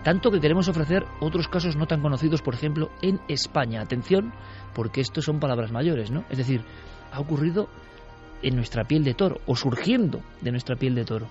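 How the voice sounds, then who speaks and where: A man's voice: a little high, fairly quick, darkish tone. Guy hosting late radio, dramatic, dull lo-fi sound w faint music. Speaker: radio show host. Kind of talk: late-night radio talk.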